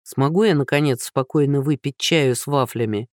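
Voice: moderate pace, dry recording, studio quality, close to an everyday voice. Narrator doing a weary, polite man. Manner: tired, restrained, lower.

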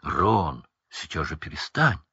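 A man's voice: a bass voice, very animated, slow pace, sharp tone, husky, no room sound, muffled recording, voice pushed down, full character voice. A man voicing a mild-mannered middle-aged wizard father who answers curtly and sternly. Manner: stern, clipped.

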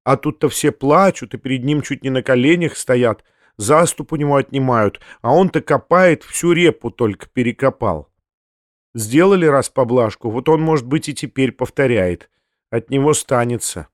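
A man reading a classic novel aloud, voicing a flustered, agitated young woman who bursts into quick, exasperated exclamations. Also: mid-range voice, dry recording, clean studio sound, close to an everyday voice. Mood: irritated.

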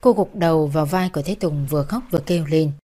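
A woman's voice: low voice, fast, warm tone. A woman reading a novel aloud as narrator, taking every role in the same plain voice.

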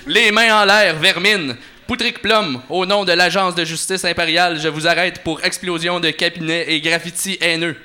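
A man playing a hard-nosed bounty hunter, loud and threatening, with a bright, cutting voice. Storybook tough guy from a homemade audio tale. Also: a little high, steady tone, brisk, hardly any pauses. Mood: menacing.

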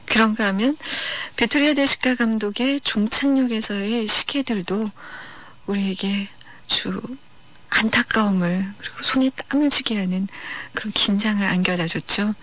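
A woman hosting a radio film-music show, talking about films in a calm, reflective, unhurried way. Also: mid-range voice, dry recording. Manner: calm, reflective, unhurried delivery with soft pauses. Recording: dull lo-fi radio archive.

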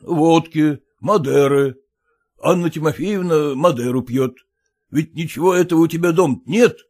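A man voicing a stern, bossy older man who lectures and scolds his son-in-law in a slow, drawn-out way. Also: on the high side, darkish tone, lightly acted. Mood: lecturing.

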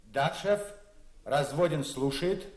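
A dutiful underling agent in a vintage radio drama, reporting in a formal, businesslike tone. His voice sits slightly high and rings with a roomy echo. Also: animated, slow pace. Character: dutiful male subordinate agent.

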